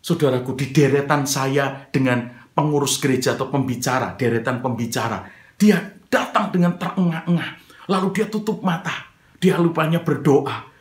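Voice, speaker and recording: A man's voice: mid-range voice, moderate pace, roomy sound. A man preaching a sermon, telling a story to his congregation and acting out the dialogue, often calling his listeners brothers. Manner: addresses listeners as brothers, acts out quoted dialogue.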